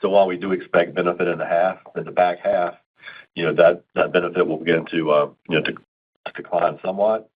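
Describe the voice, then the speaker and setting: A man with a very low, rough-edged voice on a narrow phone connection. He answers as a finance executive, in measured, businesslike talk padded with small fillers. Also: steady tone. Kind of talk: earnings call answer. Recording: narrow phone-line sound.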